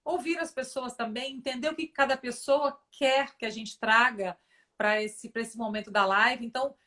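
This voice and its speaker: A woman's voice: a little high, fairly even intonation, moderate pace, pushed and bright. Chatty woman hosting live. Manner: chatty, fillers like né, talks to audience. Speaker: live stream host. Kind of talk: casual live stream hosting.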